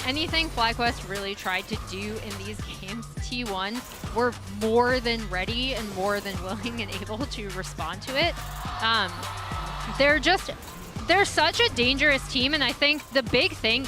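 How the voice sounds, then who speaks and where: A woman giving analytical esports desk commentary, animated and acting out players' thoughts. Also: a little high.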